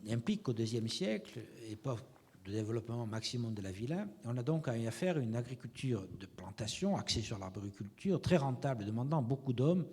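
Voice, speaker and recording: A man leading a seminar, asking measured questions and thinking aloud about the findings. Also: mid-range voice, warm tone, husky. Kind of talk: academic discussion. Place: lecture hall. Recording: reverberant lecture hall.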